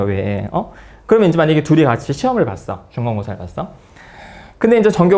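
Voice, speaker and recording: A man giving a psychology lecture to an audience, acting out everyday dialogue as he teaches. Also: a little high. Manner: lively, acts out quoted dialogue. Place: lecture room.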